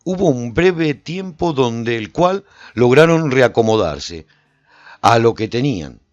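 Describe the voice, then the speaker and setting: A man playing a proud lone warrior who recounts his adventures in a theatrical, expressive first-person radio drama style. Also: mid-range voice, slow pace, dry recording, muffled recording. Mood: proud storytelling. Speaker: narrator and lead actor of a radio serial.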